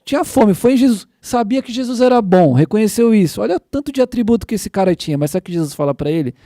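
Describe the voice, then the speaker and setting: A young man hosting a casual church podcast, excitedly retelling scripture in slangy everyday speech. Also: high voice, fast talker, no room sound, clean studio sound. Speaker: podcast host.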